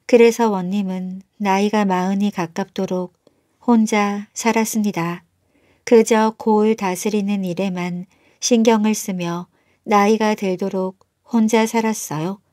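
A woman's voice: medium pitch, fairly even intonation, measured pace, dark tone, dry recording, clean studio sound. A woman reading a scripted folktale as a bedtime storyteller.

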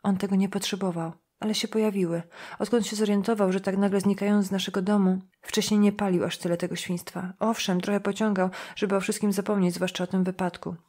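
Woman doing a hushed, sad older mother. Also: mid-range voice, level tone, fast, hardly any pauses, natural voice. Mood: pleading. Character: older weary farm wife, guilt-ridden mother.

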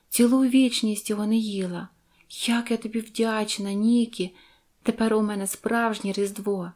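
A woman's voice: medium pitch, darkish tone, close to an everyday voice. A woman voicing a bubbly, giggly young female shopkeeper in an audio fairy tale. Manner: giggly, chatty.

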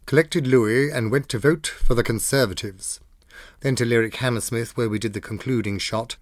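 A British man reads diary entries aloud in a scripted, dramatic style. His voice sits at a medium pitch, recorded close and dry in a studio. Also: normal speed, dry recording. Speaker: diary reader.

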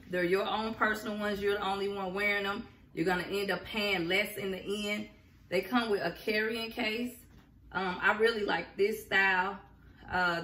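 A middle-aged woman vlogs from her kitchen at home, her voice on the low side. Talking to a camera about an arm's length in front of her, she's chatty and encouraging and gestures animatedly. Faint background noise carries through the roomy space.

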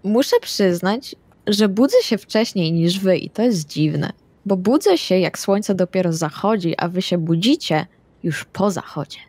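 A woman's voice: mid-range voice, lively intonation, unhurried, a little mellow, slightly rough, dry recording. A woman playing a blunt, chatty female vampire in an improvised tabletop roleplay. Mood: musing.

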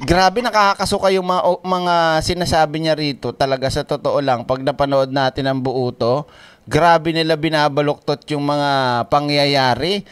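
A high-pitched man hosts a reaction commentary, mocking and laughing between lines. His voice sits well above most men's. Clear hiss and noise run under the recording. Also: steady tone, moderate pace. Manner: mocking, laughs often, swears. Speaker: commentary channel host.

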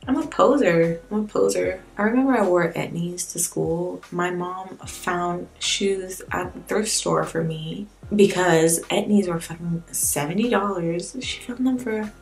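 A woman's voice: fairly low pitch, a little slow, gravelly, hardly any pauses, rough recording. A woman in her twenties doing a casual makeup tutorial in a small room, talking candidly with wry, rambling self-mockery. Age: 20s. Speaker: beauty vlogger. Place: small indoor room with plain wall.

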